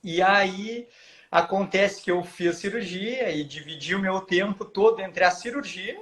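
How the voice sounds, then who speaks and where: A surgeon, speaking as a guest on a casual live-stream interview, explaining at length with frequent restarts. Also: male voice, sits high, a little slow, a bit bright. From southern Brazil.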